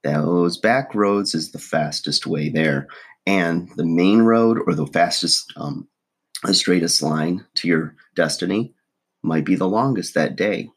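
A man talks straight to camera, his voice deep and rough with early-morning frogginess. He rambles through casual advice, stacking fillers and restarts as he thinks aloud. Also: a little slow, fairly bright tone. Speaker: vlogger giving relationship advice. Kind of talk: casual talking-to-camera monologue.

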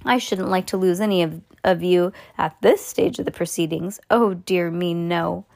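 A woman's voice: gravelly, a little mellow. A woman voicing an exuberant, fussily polite, eccentric little man who owns a chocolate factory, with effusive exclamations, as in a storybook reading. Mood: excited, gushing. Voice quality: high and fluty. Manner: effusive, quick-fire exclamations and pleasantries.

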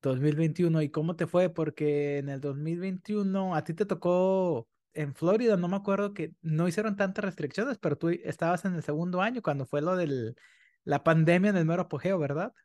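A man's voice: a little high, moderate pace, a little mellow. Chatty man hosting a podcast. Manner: chatty and friendly, rambling questions. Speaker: podcast host. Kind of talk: casual interview.

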